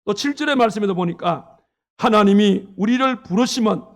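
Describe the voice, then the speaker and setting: A man's voice: sits high, normal speed. A man preaching as a pastor, earnestly retelling a story with its quoted dialogue. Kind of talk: sermon. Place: church sanctuary.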